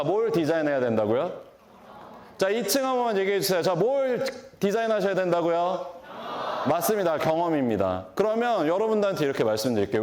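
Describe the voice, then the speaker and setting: A man in his forties giving a keynote talk at a large conference, asking the audience questions and acting out greetings. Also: a little high. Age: 40s. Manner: animated, asks the audience questions and acts out greetings. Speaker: beauty industry lecturer.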